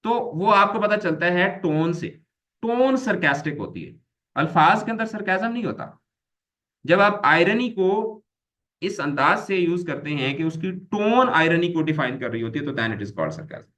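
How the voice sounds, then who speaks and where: A man's voice: sits high, animated, measured pace, pushed and bright. A man teaching an online grammar lecture, explaining patiently, repeating key terms and mixing English words into his explanations.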